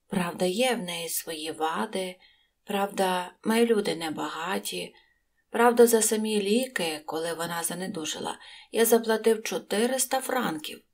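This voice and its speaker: A woman's voice: mid-range voice, gravelly. A woman voicing a sly, greedy male innkeeper from a storybook, putting on a good-natured, sincere tone. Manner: cold, then falsely good-natured. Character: sly greedy innkeeper, middle-aged man.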